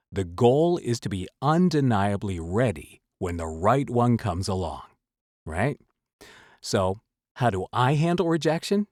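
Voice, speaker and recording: Male host, motivational advice read, very expressive intonation, emphatic with deliberate pauses, dry recording. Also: mid-range voice, dry recording. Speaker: host, voice-over coach. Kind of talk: motivational talk to camera, semi-scripted advice.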